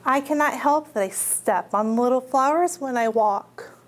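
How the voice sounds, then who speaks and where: High-pitched woman reading aloud to young children. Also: a little slow. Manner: simple child-directed talk with frequent questions to listeners. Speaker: children's librarian and storytime host. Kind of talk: children's read-aloud storytime.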